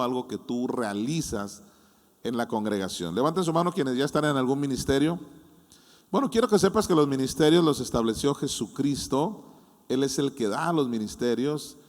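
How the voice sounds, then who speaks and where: A man with a Mexican Spanish accent preaches to his congregation in a relaxed, talking tone of ordinary pitch, sometimes voicing his listeners' worries with humor. His voice rings out in a church hall with a long reverb tail. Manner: conversational preaching, acts out congregants' doubts with humor. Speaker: pastor. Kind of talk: sermon.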